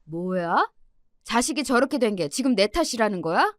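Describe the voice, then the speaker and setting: A woman voicing a gruff, hot-tempered middle-aged father who scolds sternly. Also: a little high, sing-song, normal speed, no room sound, studio quality. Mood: stern scolding.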